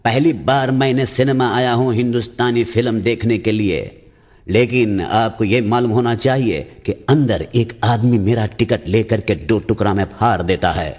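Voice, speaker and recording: A man voicing a naive, earnest old village man who speaks slowly. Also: medium pitch, a little mellow, close to an everyday voice. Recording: long hall reverb.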